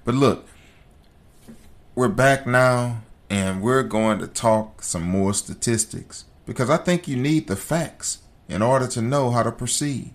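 Man, talk show host, emphatic, addresses listeners directly, mid-pitched voice. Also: measured pace. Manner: emphatic, speaks straight to listeners as folks. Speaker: podcast host. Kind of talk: opinion talk show monologue.

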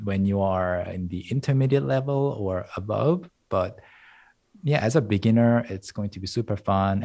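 A man's voice: lowish voice, warm tone. A man whose first language is Korean, speaking English in a casual interview and explaining language ideas with examples and analogies. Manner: thoughtful, explains with examples and analogies, laughs lightly. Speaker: guest, Korean language teacher.

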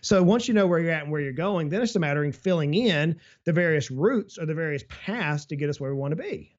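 Energetic man with a slightly raised pitch. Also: quick pace, lo-fi sound. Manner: energetic, explains with travel analogies and hypothetical quotes. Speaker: financial advisor guest. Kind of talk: casual business podcast talk.

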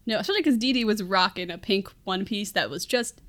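A woman's voice: mid-range voice, quick pace, fairly bright tone. A woman hosting a podcast in casual, comic film discussion, playful and mock-serious, often laughing as she talks. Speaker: podcast host.

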